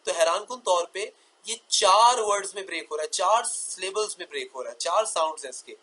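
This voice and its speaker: A man teaching English grammar in a lecture, repeating key terms as questions and drawing out example words slowly. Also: high voice, pushed and bright, slightly rough, poor audio.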